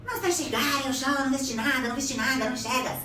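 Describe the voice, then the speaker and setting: A woman voicing a cranky elderly Portuguese woman who scolds in a shrill, accusing way, with a European Portuguese accent. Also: very fast, pushed and bright, heavy reverb, recorded from a distance, a little hiss or hum. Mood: scolding.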